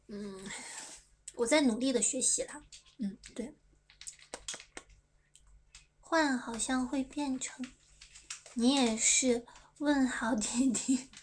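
A young woman with a high, light voice hosts a relaxed fan livestream. She talks at an unhurried pace, teasing and giggling as she reads comments aloud. A faint hiss sits under the phone recording. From China. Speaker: idol livestream host. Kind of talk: casual livestream chat with fans.

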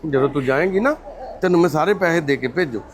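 A man, gently reassuring a distressed woman and counting money aloud. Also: a little high, fast talker. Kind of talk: comforting talk with a distressed woman. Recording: crowd noise in background.

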